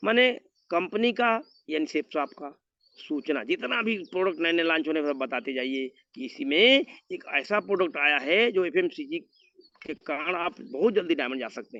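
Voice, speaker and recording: Over a quiet background, a man with a high pitch and a bright, sharp tone makes very wide pitch swings and big swings in loudness. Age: 60s. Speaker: network marketing trainer. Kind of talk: motivational training talk. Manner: animated.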